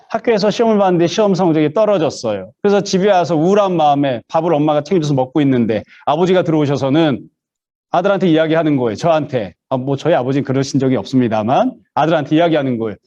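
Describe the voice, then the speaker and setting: Lively, high-voiced male preacher. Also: dull audio. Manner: storytelling, acting out quoted voices. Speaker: pastor. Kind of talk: sermon.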